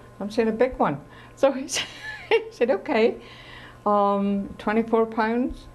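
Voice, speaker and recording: Over noticeable background noise, a woman with a fairly high pitch and ordinary pitch variation speaks at a fairly slow pace with long, frequent pauses. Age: old. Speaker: immigrant senior. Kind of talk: personal memoir storytelling.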